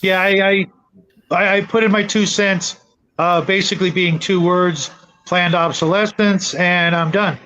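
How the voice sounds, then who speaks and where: A man's voice: sits high, steady tone, unhurried, bright, forceful tone, poor audio. A middle-aged man hosting a casual livestream chat. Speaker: show host.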